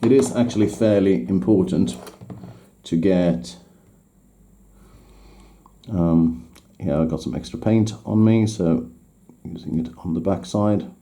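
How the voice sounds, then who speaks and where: A deep, dark-toned voice moves slowly through an English tutorial on painting miniatures. The speaker, a native Swedish speaker, is hesitant and keeps stopping to correct himself as he works.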